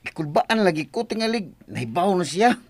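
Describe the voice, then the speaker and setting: A woman's voice: fairly low pitch, sing-song, normal speed, darkish tone, dry recording, soft background music. An actress playing an easily rattled, hesitant village woman in a radio drama comedy, with a Bisaya accent. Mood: nervous.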